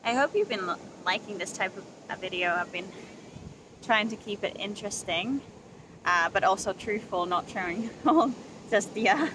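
A woman chats casually into a handheld camera while camping by the beach. She talks in a relaxed, rambling way with plenty of fillers, at an ordinary pitch. Steady outdoor noise runs clearly behind her voice. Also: moderate pace. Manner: relaxed, chatty, many fillers and restarts. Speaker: vlogger. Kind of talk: casual vlog chat to camera.

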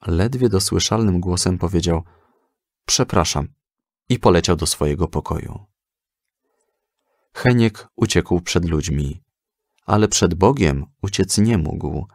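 A man narrating a scripted children's story as an expressive storyteller. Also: low voice, measured pace, no room sound, clean studio sound.

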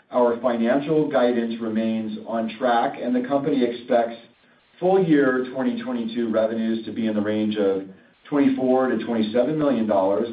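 A man delivers a prepared corporate earnings statement with formal, measured phrasing. His voice sits at an average pitch. It comes through thin like a telephone, with a roomy echo around it. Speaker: company executive. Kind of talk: scripted earnings call presentation. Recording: roomy, distant, tinny phone-line sound.

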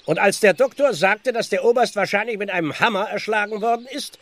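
A man's voice: high voice, a little fast, a bit bright. An actor playing an officious, blustering village policeman in an audio drama, with a formal, pompous and fussy manner. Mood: sheepish. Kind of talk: German audio drama acting.

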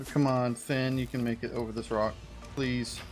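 A man's voice: medium pitch, flat delivery, moderate pace. A young man chatting with his teammate as they play a survival game, goofy and easygoing. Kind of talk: casual multiplayer game chat. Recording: faint background music.

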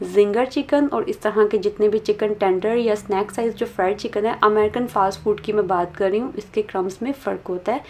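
A woman's voice: medium pitch, brisk, few pauses, a little mellow, slight background noise. A woman hosting a cooking channel, talking through a recipe step by step in a patient, instructive voice-over. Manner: instructive, repeats steps patiently.

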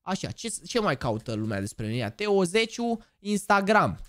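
A man in his twenties, live streaming and chatting, hyper and joking, bursting into shouted catchphrases. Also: high-pitched, very animated, no echo, clean studio sound. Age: 20s. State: over-excited. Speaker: gaming streamer.

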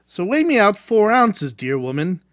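A cocky little tailor played by a woman boasts in theatrical, archaic phrases. The delivery swings up and down in pitch, recorded close and dry, as in a storybook drama. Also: sing-song, moderate pace, no room sound, lightly acted. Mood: brisk, bossy. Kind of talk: storybook audio drama acting.

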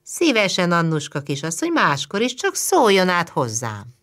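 A woman's voice: lowish voice, huge pitch swings, a bit bright. A woman reading the lines of a friendly, teasing male chimney sweep in his thirties, widowed. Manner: friendly, joking.

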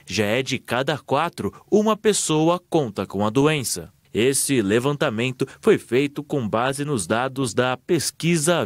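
A man with a Brazilian Portuguese accent reading a scripted news report in a steady, measured way. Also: mid-range voice, no echo, studio quality.

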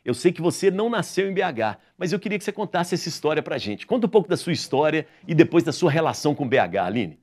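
A man's voice: a little high, quick pace, few pauses. A man in his forties hosting a studio talk show, joking playfully with guests. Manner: jokey, playful, lively. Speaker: TV host.

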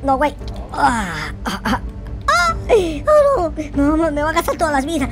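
A man's voice: very high-pitched, huge pitch swings, normal speed, exaggerated voice. A man with a Latin American accent voicing a naive, easily panicked boy in a video game roleplay, dramatic, whiny and full of exclamations. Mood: frantic. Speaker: gaming YouTuber. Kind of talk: excitable gameplay roleplay commentary. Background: music.

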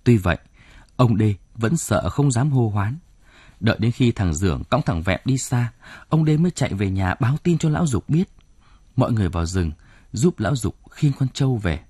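A man narrates a novel with expressive storytelling. His voice is mellow and husky, and it moves widely in pitch. The sound is close and dry. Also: moderate pace, dry recording. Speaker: audiobook narrator. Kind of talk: scripted narration.

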